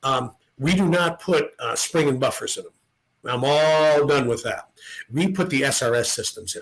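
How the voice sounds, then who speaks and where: With a normal speaking voice, a man speaks at a moderate pace and fairly high pitch, showing ordinary pitch variation and big swings in loudness. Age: 60s. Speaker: firearms manufacturer. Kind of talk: interview.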